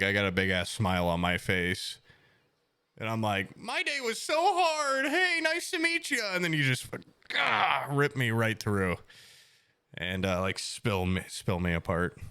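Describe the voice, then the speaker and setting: A man's voice: on the low side, a bit bright, clean tone, dry recording. A man in his late twenties, a streamer chatting casually and rambling with self-mocking jokes to his viewers. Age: 20s.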